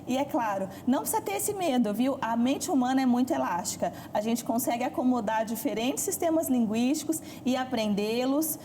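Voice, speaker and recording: A high, mellow-toned Brazilian woman with a mineiro-based accent speaks as an expert guest on a studio talk show. She explains in measured phrases, with deliberate pauses between ideas. A faint noise sits under the room sound. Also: lively intonation. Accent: mixed Brazilian Portuguese, mineiro base. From Minas Gerais, Brazil.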